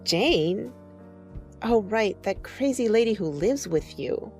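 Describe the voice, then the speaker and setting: A woman's voice: medium pitch, lively intonation, takes it slowly, darkish tone, faint music behind. An actress playing a casual, tentative young woman in an audio drama, a little hesitant. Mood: hopeful, casual.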